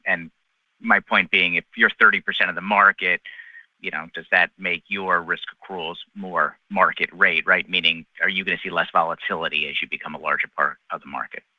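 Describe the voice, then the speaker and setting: A man's voice: low-pitched, fairly even intonation, a little fast, dry recording. A man calling into an earnings call as an analyst, asking questions in a conversational, loosely phrased way. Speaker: financial analyst caller. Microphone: conference call line. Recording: dull phone-in conference audio.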